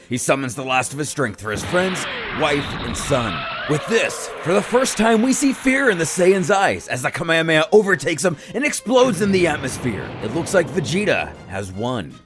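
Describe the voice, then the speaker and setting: High-pitched, animated male recap narrator. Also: moderate pace, hardly any pauses, over music. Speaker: narrator of a manga recap channel. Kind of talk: scripted story recap narration.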